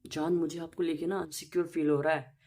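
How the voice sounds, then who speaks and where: A man's voice: a little high, flat delivery, brisk, darkish tone. A young man in an intimate relationship argument, speaking in a reproachful, insistent and repetitive way. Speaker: boyfriend in a relationship call.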